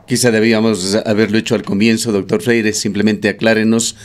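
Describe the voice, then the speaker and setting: Man, radio news host, low voice, measured newsreading, studio. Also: level tone. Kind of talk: radio news interview and report.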